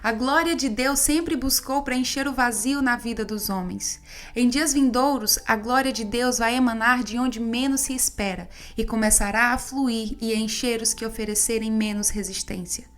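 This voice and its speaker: A woman with a somewhat high voice reads an audiobook aloud. Her delivery is steady and measured, in the even cadence of scripted narration.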